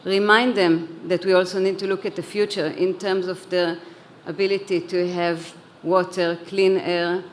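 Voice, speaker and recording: A woman's voice: fairly low pitch, flat delivery, moderate pace. Woman giving a panel talk, earnest, some stumbles, faint hiss in the background. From Israel. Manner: earnest, a few restarts and repeated words. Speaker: panelist, head of an education organization. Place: conference hall.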